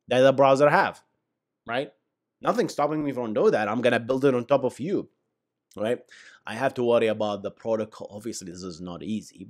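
A young man with an Arabic accent giving casual, animated tech commentary, with chuckling asides and mumbled drops. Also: fairly high pitch. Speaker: tech YouTuber.

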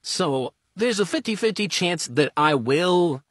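A man's voice: high voice, animated, a little slow, no echo, studio quality. A man chatting casually as a comic artist while drawing, rambling and self-deprecating.

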